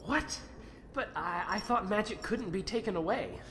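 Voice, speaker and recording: An actor playing a desperate, defiant young mage apprentice, agitated and prone to stammering, in an audio drama. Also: male voice, high voice, animated, moderate pace, a bit bright, slight background noise. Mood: wary.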